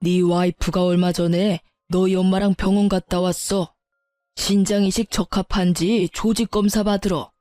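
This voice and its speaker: A woman's voice: mid-range voice, level tone, moderate pace, dark tone, dry recording, faint music behind, close to an everyday voice. A woman voicing an older father-in-law who berates his son with insults, in a dramatized story reading. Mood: stern.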